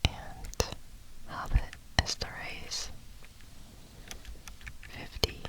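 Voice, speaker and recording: A person whispering close to the ear in an unvoiced ASMR tutorial style, with deliberate delivery, as a programming instructor. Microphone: close ear-to-ear stereo microphone. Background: computer keyboard typing.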